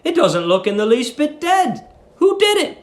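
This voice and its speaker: A man's voice: very high voice, sing-song, moderate pace, voice pushed up. A man voicing a naive, polite young lodger who speaks in an earnest, exclaiming way in a storybook reading. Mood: amazed, admiring. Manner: earnest, exclaiming, well-mannered.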